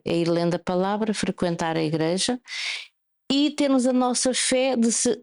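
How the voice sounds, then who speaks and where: Calm, earnest woman. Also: mid-range voice. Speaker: church member giving a testimony. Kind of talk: interview testimony.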